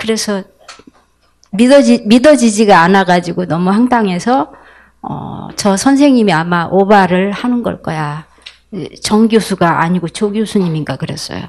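This woman has a medium pitch and lively intonation, speaking at a fairly slow pace. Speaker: cancer patient participant. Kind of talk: testimony. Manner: halting. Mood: earnest, reflective. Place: hall. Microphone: handheld.

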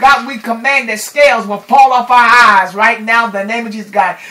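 A high-pitched female voice with ordinary pitch variation. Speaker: prayer leader. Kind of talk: fervent spontaneous prayer, rhythmic pleading invocation. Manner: run-on, breathless cadence stacking 'oh God' and 'hallelujah'; impassioned, repetitive crying out for mercy.

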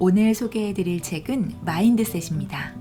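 Music can be heard behind the speaker. She is a woman talking at a moderate speed. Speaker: psychologist. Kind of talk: audiobook reading.

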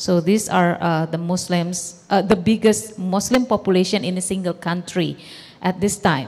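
A woman with an Indonesian accent talks at a moderate pace with ordinary pitch variation. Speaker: social activist; conference panelist. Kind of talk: conference presentation. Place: hall. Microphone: podium.

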